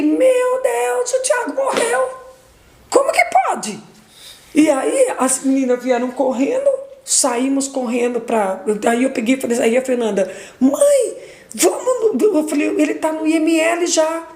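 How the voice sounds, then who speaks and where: Gravelly-voiced woman telling a testimony. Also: darkish tone, reverberant. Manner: retells dialogue, repeats words, voice leaps high in emotional moments. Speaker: mother giving a testimony. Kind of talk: emotional spoken testimony.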